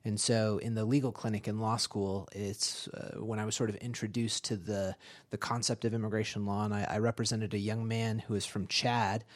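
A man in his thirties from Colorado, an immigration lawyer speaking as a podcast guest in a thoughtful, halting way with many fillers. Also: lowish voice, flat delivery. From Colorado, USA. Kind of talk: casual interview.

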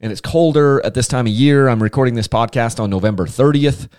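A man's voice: medium pitch, a little fast, a little mellow, clean tone, dry recording, clean studio sound. A man hosting a casual solo podcast, chatty and enthusiastic, rambling with frequent restarts. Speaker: podcast host.

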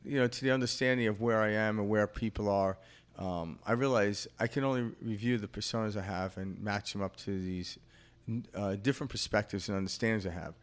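A man's voice: lowish voice, steady tone, fairly quick. A man in his fifties co-hosting a podcast, talking in a rambling, reflective way with lots of fillers and easy laughter. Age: 50s. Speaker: podcast co-host. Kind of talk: casual spiritual chat.

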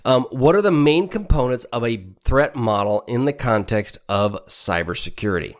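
A man's voice: medium pitch, normal speed. A middle-aged man, congested from a cold, who casually reads exam questions aloud and then reasons his way to the answers as a podcast tutor. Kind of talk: talking through exam questions.

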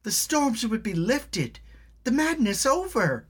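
A young tribal woman from a spoken storybook, grieving and desperate, voiced by a man. Her pleas rise high and swing wildly, climbing toward shrill cries. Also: very animated, takes it slowly, slightly rough, exaggerated voice. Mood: pleading. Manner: pleading, rising to shrill cries.

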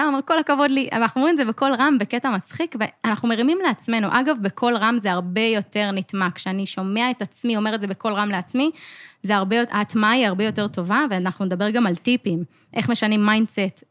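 A woman's voice: on the high side, dry recording. Earnest woman coach, dry close sound. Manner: earnest, explanatory, acts out inner voices. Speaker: podcast co-host, coach. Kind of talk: casual podcast chat.

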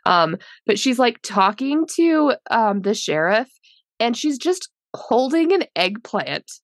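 A woman's voice: a little high, very animated, takes it slowly, no room sound. Giggly woman chatting about a film, dry sound. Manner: giggly, chatty, many fillers. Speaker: podcast co-host. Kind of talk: casual movie review chat.

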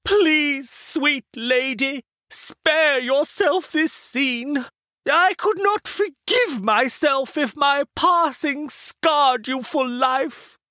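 Camp, plummy, high-pitched thespian. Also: male voice, bright, forceful tone, dry recording, studio quality, heavily acted. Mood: tragic, grandiose. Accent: plummy upper-class English. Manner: grandiose, drawn-out, over-dramatic Shakespearean delivery. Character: portly, theatrical, camp melodramatic man.

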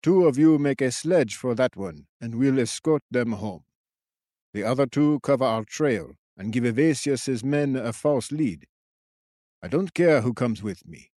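A man voicing a cracked-voiced, eccentric old male sentry of the woods, croaking slowly. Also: medium pitch, lively intonation, warm tone, no echo, clean studio sound, pitched above the performer's own voice, lightly acted. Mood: commanding. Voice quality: croaking, slow, theatrical.

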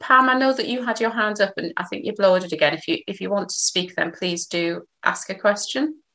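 A woman's voice: mid-range voice, a little fast, sharp tone. Woman with a slight Geordie accent. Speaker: host. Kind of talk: online discussion session. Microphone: video call.

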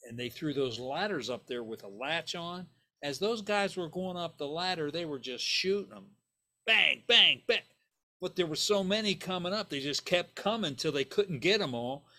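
A man's voice: on the high side, pushed and bright. An older man whose first language is Italian, telling stories in a casual interview and rambling with lots of "you know" and "right?". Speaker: bassist guest.

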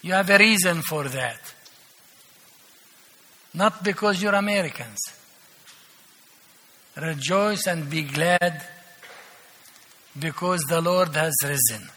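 An older man delivers a sermon at a slow, deliberate pace, his voice high and very bright. He leans on emphasis and dry irony, and the sound rings out with a long reverb from the church hall. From Palestine. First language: Arabic. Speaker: archbishop preaching as guest. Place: large church.

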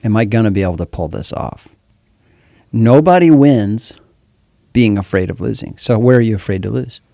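A man with a bassy voice casually hosting a talk show in a candid, self-deprecating way. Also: animated, normal speed, vocal fry, dark tone, dry recording, clean studio sound. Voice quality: bass-heavy voice. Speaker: podcast host.

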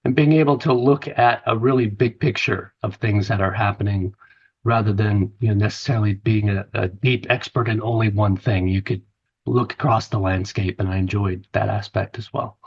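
A man's voice: on the low side, steady tone, moderate pace, slightly rough, highs cut off. A man in an interview, talking in an enthusiastic, conversational way about his work in events. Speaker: conference content chief. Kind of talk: podcast interview.

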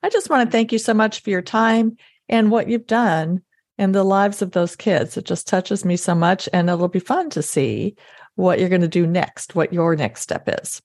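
A woman's voice: fairly low pitch, normal speed, a little mellow, dry recording, studio quality. A woman hosting a faith podcast, speaking, affirming and eager, often speeding up in bursts. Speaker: podcast host. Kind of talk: casual faith interview.

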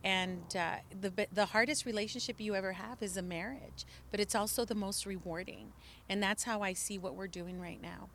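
A woman's voice: mid-range voice, fairly even intonation, moderate pace, a bit bright, slight background noise. Emphatic woman, native Spanish speaker. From El Paso, Texas border region. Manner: earnest, emphatic, some restarts. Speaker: interview guest. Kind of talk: impassioned political testimony. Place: outdoors near the border.

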